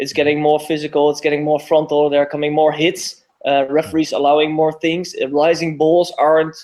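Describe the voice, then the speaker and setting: A man with a Dutch accent talks at a fairly quick clip in a fairly high pitch, his intonation monotone and flat, with hardly any pauses. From Netherlands. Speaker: field hockey player. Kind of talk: podcast interview. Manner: halting, many fillers.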